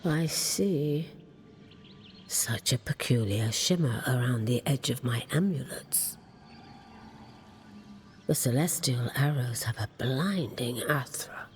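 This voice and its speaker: A mystic seer of amulets for a video game. Her voice is remarkably deep and unhurried, calm, slipping into breathy whispers. Ambient sound surrounds her. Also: slight background noise, exaggerated voice. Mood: mysterious, calm. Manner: breathy half-whisper, deliberate. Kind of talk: video game character acting.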